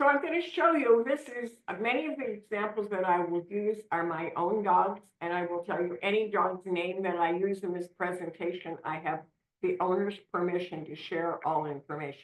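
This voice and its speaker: Lively intonation marks this woman's plain, everyday voice. She has a medium pitch and a moderate pace. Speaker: veterinarian and canine genetics expert. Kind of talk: webinar lecture. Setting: online webinar.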